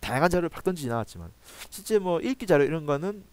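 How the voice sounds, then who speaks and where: A man with a Busan accent talks at a very fast pace on a very clean recording with a silent background. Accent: Busan dialect (Gyeongsang). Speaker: high school ethics teacher. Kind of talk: recorded lecture, closing remarks to students. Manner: hesitant, many fillers and restarts.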